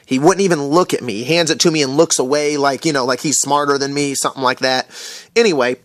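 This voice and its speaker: A man's voice: mid-range voice, fairly even intonation, fast talker, no room sound, clean studio sound. An American man casually recounting an incident to camera in a rambling, indignant rant full of fillers. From USA.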